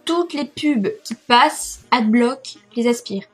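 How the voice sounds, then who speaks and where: A woman's voice: fairly high pitch, slow pace, breathy edge, soft background music. A young woman with a French accent casually walking viewers through websites on her screen, hesitant and full of fillers, laughing at herself. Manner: chatty, hesitant, many fillers and self-corrections. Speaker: vlogger. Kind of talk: casual screen-recording tutorial. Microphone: headset.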